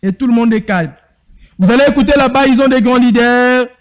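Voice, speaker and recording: A Congolese man hosting a TV talk show from a studio, speaking French with a Congolese accent. His voice is high, and he talks indignantly, firing rhetorical questions and sometimes rising to a shout. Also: brisk. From Bandundu, DR Congo. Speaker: TV show host. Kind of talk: live political talk show monologue.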